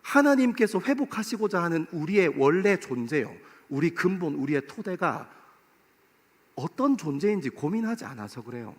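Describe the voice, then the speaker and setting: A pastor in his forties preaching to a young adults service in a church, playful and lively, acting out little scenes. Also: a little high, normal speed. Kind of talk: sermon. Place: church sanctuary. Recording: long hall reverb.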